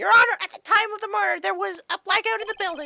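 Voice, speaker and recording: A woman's put-on, squeaky character voice at an extremely high pitch, very fast pace and ordinary pitch variation. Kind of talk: mock courtroom speech. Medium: actual play.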